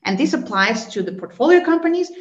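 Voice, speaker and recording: A woman's voice: sits high, very animated, fairly quick, lo-fi sound. Colombian-born woman, echoey call audio. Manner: fluent, explanatory, frequent "right?" and "um" fillers. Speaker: guest, consulting executive. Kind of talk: podcast interview answers.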